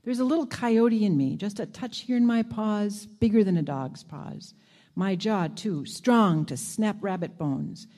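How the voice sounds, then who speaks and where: A clever old male dog tells his tale with proud, dry wit, as a woman reads him aloud in her own voice. The pitch sits in an ordinary middle range, and the delivery stays plain and unhurried. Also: animated, mellow. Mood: wry. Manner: plain reading voice, unhurried storytelling. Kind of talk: reading a first-person story aloud.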